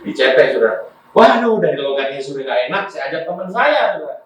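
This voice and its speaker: A man's voice: fairly high pitch, very animated, fast, slight background noise. A male pastor from Indonesia preaching a sermon, telling personal stories and often calling out to the congregation. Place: church. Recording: echoey church hall from far off.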